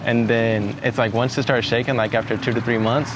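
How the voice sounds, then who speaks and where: A young man hosting a casual chat, giving advice quickly with lots of fillers. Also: medium pitch, flat delivery, noisy background. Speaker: host.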